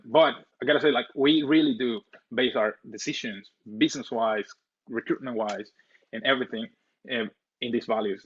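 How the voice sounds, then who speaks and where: A man's voice: mid-range voice, breathy edge, lo-fi sound. A man from El Salvador talking casually as a webinar co-host, often repeating his words.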